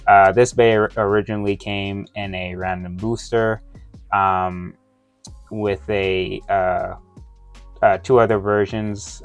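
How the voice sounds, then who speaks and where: Halting man with a slight retainer lisp. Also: lowish voice, clean tone. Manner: halting, rambling, often losing his thread. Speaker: toy review vlogger. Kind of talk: casual unboxing review chat. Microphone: close microphone within his reach.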